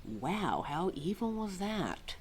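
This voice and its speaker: Woman playing an exasperated, animated lore keeper. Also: fairly low pitch, takes it slowly, slight background noise. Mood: defensive, sympathetic. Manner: sarcastic, chatty, heavy sighs and mimicked quotes. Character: exasperated, opinionated female keeper of forgotten lore. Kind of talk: ad-libbed audio roleplay addressed to a listener.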